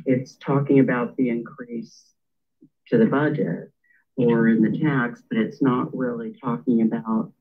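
Male council member, mid pitch, casual and halting, phone-quality audio. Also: fairly even intonation. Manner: hesitant restarts, casual. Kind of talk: meeting discussion. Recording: thin phone-like meeting audio.

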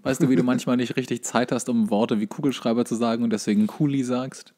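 A man's voice: medium pitch, fairly even intonation, quick pace, warm tone. A man, co-hosting a comedy podcast with wry, opinionated banter and wordplay. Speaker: podcast co-host. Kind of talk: casual comic banter.

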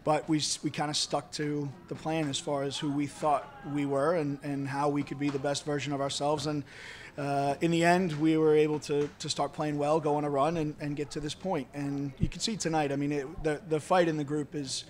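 Middle-aged man, even-toned, slightly high voice. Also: normal speed. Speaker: college soccer head coach. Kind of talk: post-match press conference remarks. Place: indoor press conference room, seated at table. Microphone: handheld-style microphone on table stand.

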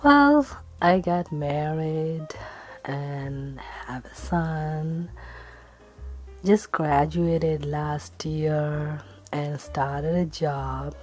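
A woman voicing a middle-aged man who meets his old sweetheart at a cafe, in a soft, breathy, subdued whispered role-play. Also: low voice, drawn-out words. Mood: reminiscing. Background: faint jazz music.

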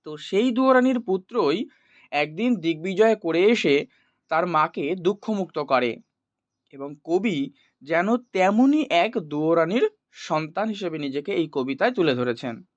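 A man's voice: a little high, animated, measured pace. A man teaching in an explanatory, didactic way, as if to school students, checking that they follow. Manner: didactic, checks understanding with short questions. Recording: roomy echo, dull lo-fi sound.

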